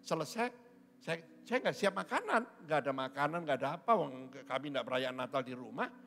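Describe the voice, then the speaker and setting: Joking middle-aged pastor preaching. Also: male voice, a little high, animated, a little fast, vocal fry, a bit bright. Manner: joking, teasing the congregation. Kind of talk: sermon. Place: church hall. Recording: church hall with long reverb.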